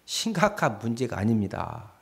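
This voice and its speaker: A man, a pastor, preaching a sermon, moving between quiet asides and loud exhortation. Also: big pitch swings, moderate pace, vocal fry. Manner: acts out pleading cries in a low voice.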